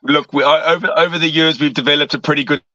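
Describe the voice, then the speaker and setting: Hoarse man, muffled sound. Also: a little high, steady tone, pushed and bright, no room sound. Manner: halting, with many repeats and restarts. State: hoarse, has lost his voice. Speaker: guest cyclist. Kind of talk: radio interview.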